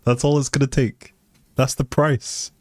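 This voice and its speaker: A man's voice: medium pitch, level tone, a little slow, a little mellow, no room sound. A man hosting a casual game livestream, talking to his viewers with playful, teasing informal banter.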